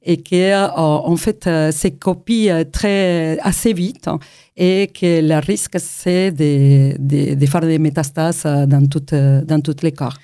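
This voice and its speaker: A woman's voice: sits low, fairly even intonation, takes it slowly, mellow, dry recording, clean studio sound. A middle-aged woman with an Argentine Spanish accent, a Spanish native speaker, telling her story as a guest, hesitant with many fillers. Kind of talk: personal testimony interview.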